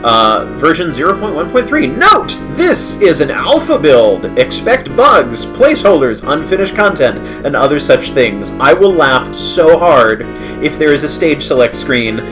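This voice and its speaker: A man hosts a game livestream, sounding a little stuffy as he gets over a cold. His commentary is wry and thought-out-loud, full of self-corrections, with a lively, bouncing pitch. Game music plays clearly behind him. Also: moderate pace, low-quality recording. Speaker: livestream host playing a game. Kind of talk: let's-play commentary.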